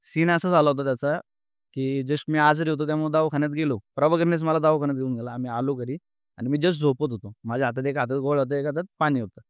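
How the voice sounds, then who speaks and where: A man's voice: on the high side, steady tone, clear, resonant tone, dry recording, studio quality. Earnest young man. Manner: earnest, halting, many fillers and restarts. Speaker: podcast guest. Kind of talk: emotional storytelling in an interview.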